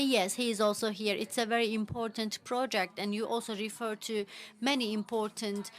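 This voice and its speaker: Woman, interpreter, live panel, halting delivery, filler-heavy, mid pitch. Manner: halting, leans on "actually" as filler. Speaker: simultaneous interpreter.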